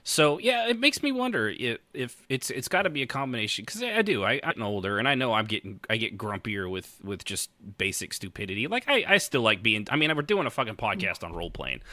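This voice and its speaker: Animated, rambling man in his late thirties. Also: mid-range voice, brisk, few pauses, dry recording. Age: late 30s. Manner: rambling, irreverent, teasing. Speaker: podcast host. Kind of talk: casual joking podcast chat.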